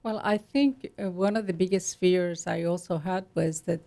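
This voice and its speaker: A woman who is a native Spanish speaker, a thoughtful, measured guest speaking English on a radio interview. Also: fairly low pitch, steady tone, vocal fry, dark tone.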